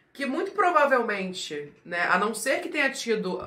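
The tone is animated. The intonation rises and falls in a lively way. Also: woman. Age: 30s. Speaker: youtuber. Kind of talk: casual vlog monologue. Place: home room.

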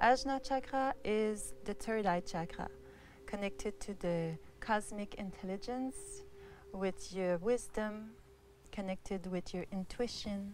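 In a Quebec accent, the speaker keeps a calm tone, a fairly slow pace and ordinary pitch variation over light background noise. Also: woman, fairly high pitch for a woman, dry sound with no echo. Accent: French Canadian (Quebec). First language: French. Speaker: yoga teacher. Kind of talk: guided yoga class instruction. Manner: slow, calm. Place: garden.

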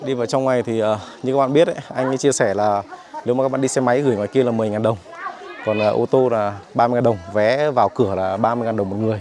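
A man at a very fast pace with fairly even intonation, a dry sound with no echo, and crowd noise in the background. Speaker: travel vlogger. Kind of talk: casual vlog commentary. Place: market. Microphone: phone near.

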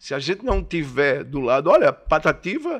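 Against a quiet background, a man is speaking. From Pernambuco, Brazil. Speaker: musician. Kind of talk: interview answer. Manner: passionate, halting. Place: studio. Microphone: studio mic.

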